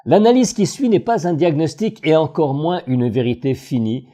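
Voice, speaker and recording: A man, a voice coach, reads a scripted voice-over analysis in a measured, analytical way. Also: fairly high pitch. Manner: measured, analytical, expressive phrasing.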